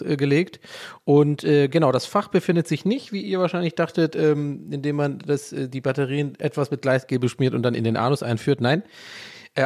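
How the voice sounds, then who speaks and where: A man's voice: medium pitch, a little mellow. A man hosting a solo podcast alone at a home microphone, joking at his own expense, losing his thread and restarting, with a German accent. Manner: jokey, self-mocking, loses his thread and restarts. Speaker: podcast host. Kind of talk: rambling solo podcast monologue.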